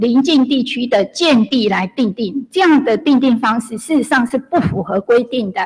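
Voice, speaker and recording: The woman has a high pitch and lively intonation. The background is quiet. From Taiwan. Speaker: county land administration director. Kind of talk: official work report; formal work report to council. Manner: halting, many fillers. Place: hall. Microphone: podium.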